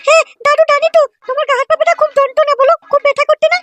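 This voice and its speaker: Shrill, whiny little cartoon boy voiced by a woman. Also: steady tone, fast, a bit bright, soft background music. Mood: mock-sweet. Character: cheeky scheming little boy, shrill and impatient. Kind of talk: comedy cartoon dialogue.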